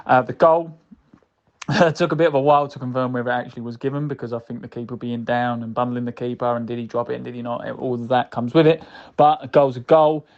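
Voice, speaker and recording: A man's voice: medium pitch, a little mellow. A man leaving a casual, rambling voice message of football reaction, addressing the listener directly. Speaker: fan calling in with a voicemail. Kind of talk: casual match reaction monologue. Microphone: recorded voicemail message. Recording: dull lo-fi voice message.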